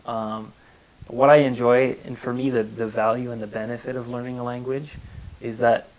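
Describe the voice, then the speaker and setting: A young Canadian man in his twenties, talking through interview questions. He speaks earnestly and at an even pace, dropping in plenty of "uh" and "um" as he goes. His voice sits in a middle register for a man. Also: medium pitch, normal speed, low-quality recording. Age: 20s. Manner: earnest, steady, with frequent fillers. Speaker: interview guest. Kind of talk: casual interview answers.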